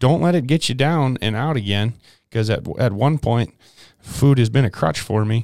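Speaking with an Upper Midwest accent, a man uses lively intonation. His pitch sits in the medium range and his pace is moderate. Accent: Upper Midwest American. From North Dakota. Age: 20s. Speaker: professional bullfighter. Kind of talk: casual chat. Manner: animated.

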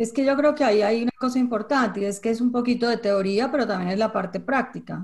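A woman's somewhat breathy voice, fairly high in pitch, with fairly even intonation. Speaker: podcast host. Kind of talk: casual interview.

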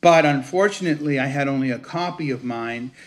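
Over audible room echo, a man speaks at a medium pitch and moderate pace with ordinary pitch variation. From Cuba, moved to US as a child. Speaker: pastor. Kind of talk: sermon. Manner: halting, many fillers.

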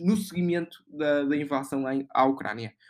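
In a very clean recording with a silent background, the speaker goes at a fairly slow pace with a European Portuguese accent. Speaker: finance podcast host. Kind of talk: solo news roundup, casual. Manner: halting, many fillers and repetitions.

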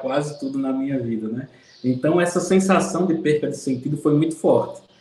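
Fairly high in pitch with fairly even intonation, a man talks at a fairly quick pace against noticeable background noise. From Paraíba, Brazilian Northeast. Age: 30s. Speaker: psychologist and Paralympic shot-put athlete. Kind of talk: casual interview chat.

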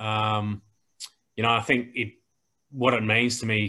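A man with an Australian accent, bright and sharp in tone, in a flat monotone at a moderate pace against a quiet background. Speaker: former expat footy club player. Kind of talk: casual chat.

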